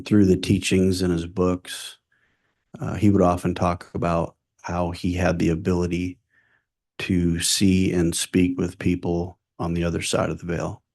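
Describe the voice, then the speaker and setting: A man with a very low, creaky voice testifies as a police detective in court. His delivery is flat, formal and factual. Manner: factual, matter-of-fact. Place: courtroom witness stand.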